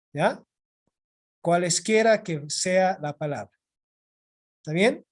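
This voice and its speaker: Teacher in an online class, middle pitch, patient, keeps repeating stuff and checking in, video call mic. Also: a little mellow. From Bolivia. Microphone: video call microphone.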